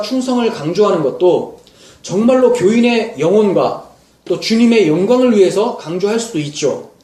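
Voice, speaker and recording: A man talks at a fairly slow pace with a high pitch and ordinary pitch variation. Room echo and noticeable background noise can be heard. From South Korea, Daegu. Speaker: pastor. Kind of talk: sermon. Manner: conversational.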